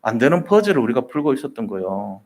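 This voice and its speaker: A man's voice: medium pitch, big pitch swings, fast, a little mellow. A man preaching a Sunday sermon as pastor, telling the story vividly and acting out the voices in quotes.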